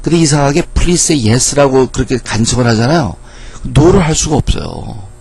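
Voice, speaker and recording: A middle-aged man gives a grammar lesson, tossing out questions and answering them himself. His voice is gravelly with a husky edge. He keeps the lecture lively and conversational. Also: mid-range voice, normal speed. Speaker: English teacher.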